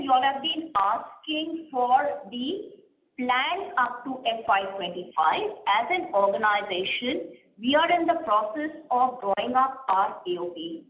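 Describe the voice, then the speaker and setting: A woman, a company executive answering questions on an earnings call in a measured, explanatory way, pausing often with "uh". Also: high voice, lively intonation. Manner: measured, explanatory, frequent "uh" pauses. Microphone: conference call line. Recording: roomy, slightly muffled conference line.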